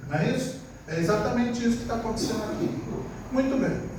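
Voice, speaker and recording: A man with a very high voice preaches a storytelling sermon, chatting with the congregation and checking that they agree. He acts out family members' voices as he tells stories. The recording comes from a distant mic in a very echoey church, with faint noise behind. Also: fast. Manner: conversational, often asks the congregation for agreement. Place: church service.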